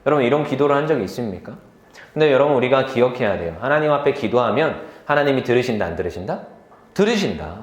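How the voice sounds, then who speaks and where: A young man preaching a sermon to a youth group, telling stories from his life in a lively way, laughing easily and asking the listeners questions. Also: mid-range voice, reverberant. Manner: lively storytelling, quick to laugh; asks the listeners questions directly.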